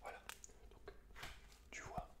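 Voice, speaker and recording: A man's voice: takes it slowly, noisy background. A man whispering breathily as an ASMR host, reading aloud and chatting informally to the listener. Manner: informal, addresses the listener directly as a friend.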